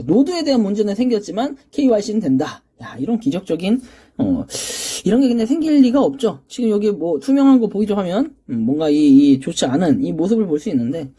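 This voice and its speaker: Hoarse and mid-range with a dark tone, the host of a crypto channel offers casual spoken commentary on what her screen shows. She tends to lead into sentences with a prompting word.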